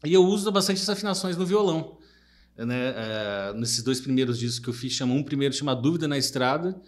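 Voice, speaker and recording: A man from Bahia, a musician, telling his story in a relaxed interview with many restarts. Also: mid-range voice, fairly quick. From Bahia, Brazil. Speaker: musician guest. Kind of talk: casual interview chat.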